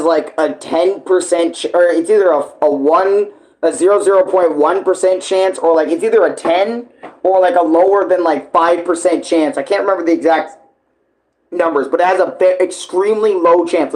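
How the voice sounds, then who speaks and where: A man's voice: sits high, moderate pace, a little mellow, rough recording. A man giving casual, rambling reaction commentary as host, slangy and loose with swearing.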